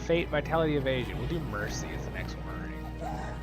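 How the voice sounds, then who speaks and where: A man's voice: mid-range voice, expressive, quick pace, loud music behind the voice. A man hosting a gaming video with casual, playful, chatty commentary.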